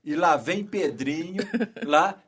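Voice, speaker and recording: Animated radio storyteller, man. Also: on the high side, takes it slowly, breathy edge. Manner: animated storyteller, acts out scenes. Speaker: radio host. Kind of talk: casual radio chat, storytelling. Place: radio studio.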